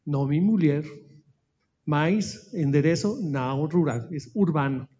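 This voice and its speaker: A man with a Spanish accent presents slides slowly and haltingly, often stopping to search for words. His voice sits a little high for a man. The audio is dull and lo-fi. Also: dark tone. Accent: Spanish-speaking, mixing Spanish into Portuguese. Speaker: speaker at an anniversary event.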